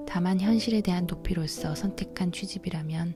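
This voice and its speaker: Over music in the background, a woman with a very deep, low voice speaks at a fairly slow pace in a calm, soothing tone. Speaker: book reader, audiobook narrator. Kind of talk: book reading, essay narration with music. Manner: calm, soothing, ASMR-like.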